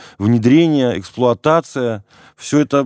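On a very clean recording with a silent background, a man with an ordinary speaking voice talks at medium pitch with ordinary pitch variation, the sound dry and close with no echo. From Belarus. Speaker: retired navy submarine officer and author. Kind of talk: casual interview.

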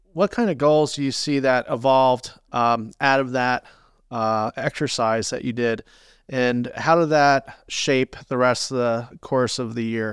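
In a very clean recording with a silent background and a dry, close sound with no echo, a man with an unremarkable speaking voice talks at a fairly slow pace with fairly even intonation. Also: medium pitch for a man. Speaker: podcast co-host. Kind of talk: casual interview chat.

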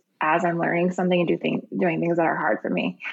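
Her voice is a plain, everyday voice at a medium pitch, with fairly even intonation. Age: 30s. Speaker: illustrator and graphic designer. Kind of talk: casual chat.

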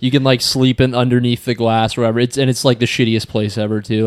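Talking very fast in a flat monotone, a man speaks with an American accent. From South Carolina. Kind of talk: casual comedy banter.

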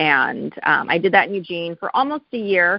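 Speaking at a moderate pace, a woman talks with a West Coast accent. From Oregon, US. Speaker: family law attorney. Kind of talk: interview. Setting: call.

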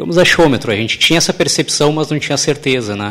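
A man's voice with noticeable background noise. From Porto Alegre, southern Brazil. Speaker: startup co-founder. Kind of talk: radio interview.

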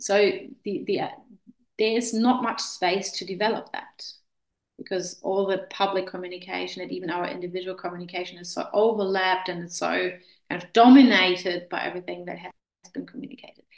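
Speaking with a German accent, a woman of medium pitch keeps a fairly quick pace and fairly even intonation while her loudness swings widely. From Germany. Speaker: university professor. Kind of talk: interview. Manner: hesitant, many filler words.

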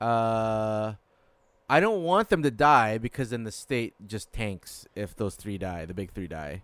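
A man with an ordinary speaking voice and medium pitch talks at a fairly slow pace with lively intonation and big swings in loudness, in a very clean recording with a silent background. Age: 30s. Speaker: car podcast co-host. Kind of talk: casual chat.

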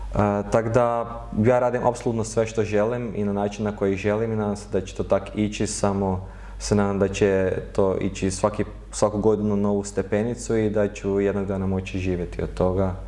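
Against noticeable background noise, a man with a fairly low pitch talks at a fairly quick pace in a monotone, flat way. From Croatia, Zagorje. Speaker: singer-songwriter and English teacher. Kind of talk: casual chat. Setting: studio.

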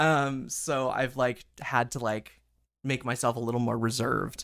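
The recording is very clean, with a silent background. A man with a medium pitch speaks at a fairly slow pace. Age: 30s. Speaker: drag performer and singer. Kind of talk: casual chat.

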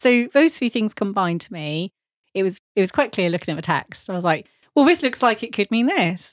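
In a British accent, a woman talks at a fairly quick pace with very wide pitch swings, recorded with a dry, close sound and no echo. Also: medium pitch for a woman. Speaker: podcast co-host. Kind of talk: casual chat.

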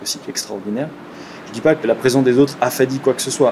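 Noticeable background noise behind a man's fairly even intonation. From Brittany, France. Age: 20s. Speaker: adventurer. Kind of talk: interview.

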